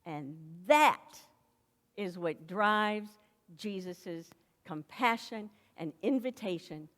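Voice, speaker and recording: A woman pastor delivering a sermon slowly and deliberately, with dramatic pauses between phrases. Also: mid-range voice, animated, fairly bright tone. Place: church sanctuary. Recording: echoey church hall.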